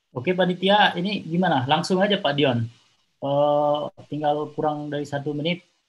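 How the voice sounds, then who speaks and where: Here a man is speaking at a moderate pace. His pitch variation is ordinary. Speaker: webinar moderator. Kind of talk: moderated panel. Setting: video call. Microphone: video call.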